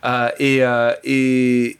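A man's voice: medium pitch, monotone, extremely slow, clean tone, dry recording. Hesitant man with a light English accent. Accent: light English-tinged French. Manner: hesitant, many restarts and fillers. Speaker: guest singer-songwriter. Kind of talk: casual interview talk.

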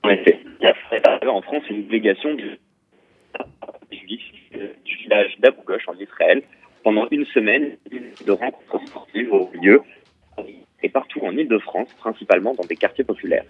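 A man's voice: on the low side, moderate pace, a little hiss or hum. A man reporting into a radio show down a phone line, reading a prepared statement with small stumbles. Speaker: correspondent.

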